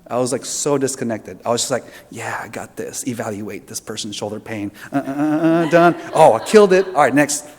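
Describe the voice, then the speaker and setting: A man's voice: medium pitch, fairly quick, hardly any pauses, in a large hall, slight background noise. A man from Indonesia leading a seminar talk, asking the audience questions in a conversational way with fillers and restarts. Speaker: seminar presenter.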